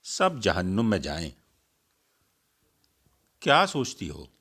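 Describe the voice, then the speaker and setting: A man's voice: low voice, huge pitch swings, takes it slowly, sharp tone, husky, exaggerated voice. A man doing a disillusioned young activist. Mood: dismissive. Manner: curt, dismissive replies. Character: disillusioned young male activist, wants to flee.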